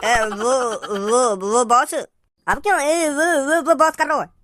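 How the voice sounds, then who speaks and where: High-voiced performer as fawning cartoon henchman, stammering, nervous. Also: animated, measured pace, sharp tone, no room sound, studio quality, exaggerated voice. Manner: stammering and placating.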